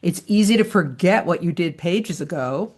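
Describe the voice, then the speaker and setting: A voice-over coach leads voice actors through an online training session, her explanations chatty and punctuated by easy laughter. She speaks at a moderate pace in a lowish, darkish voice that stays animated.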